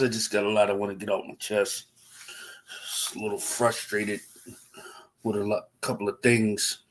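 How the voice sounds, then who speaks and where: Congested man chatting on a livestream. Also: on the low side. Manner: rambling, relaxed, frequent fillers and restarts. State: congested from a cold. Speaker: livestream host. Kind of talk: casual livestream chat.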